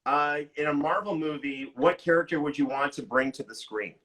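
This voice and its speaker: Bright-voiced male podcast host, enthusiastic. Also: fairly high pitch, normal speed, poor audio. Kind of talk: casual interview chat.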